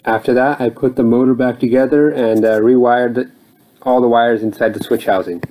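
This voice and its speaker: A man's voice: medium pitch, fairly even intonation, normal speed, dark tone, poor audio. A man explaining a motor repair over his footage in a plain, explanatory way, with occasional fillers. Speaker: repair channel host.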